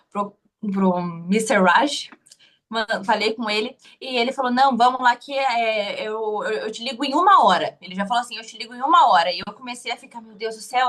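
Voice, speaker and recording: A woman's voice: fairly high pitch, a bit bright. A young woman with a Curitiba Brazilian Portuguese accent, telling her interview story casually, hesitant with many restarts.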